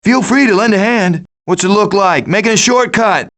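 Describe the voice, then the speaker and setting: A man's voice: high voice, normal speed, a bit bright. A man voicing a cocky, wisecracking raccoon schemer in a video game, with a glib, sarcastic delivery. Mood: cocky, quippy. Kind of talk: animated video game voice acting.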